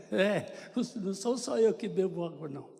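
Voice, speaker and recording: Older Brazilian man, high mellow voice. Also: animated, a little slow, creaky. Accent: Brazilian Portuguese. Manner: chatty storytelling with joking asides. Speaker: church member giving testimony. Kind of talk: church testimony to congregation. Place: church sanctuary. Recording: long church reverb.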